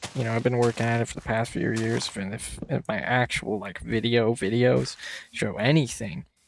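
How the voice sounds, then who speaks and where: A quiet man talks at a moderate pace. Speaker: gaming YouTuber. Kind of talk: gameplay livestream commentary. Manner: quiet, subdued.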